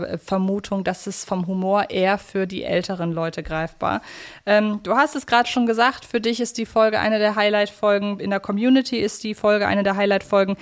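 A woman co-hosting a casual fan podcast, talking in a chatty, reflective way. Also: mid-range voice. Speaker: podcast co-host.

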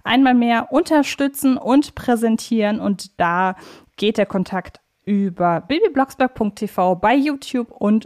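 A woman's voice: mid-range voice, darkish tone. A woman hosting a podcast interview in a chatty, conversational style. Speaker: podcast host.

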